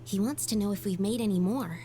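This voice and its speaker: A woman's voice: mid-range voice, a little fast, music in the background, natural voice. An actress playing a cheerful, helpful young woman in a video game. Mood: earnest. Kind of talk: scripted video game voice acting.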